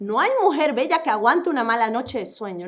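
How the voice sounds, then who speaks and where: A woman at a high pitch and moderate pace, with very wide pitch swings, over a quiet background. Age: 50s. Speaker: doctor; guest. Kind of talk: interview. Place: home room.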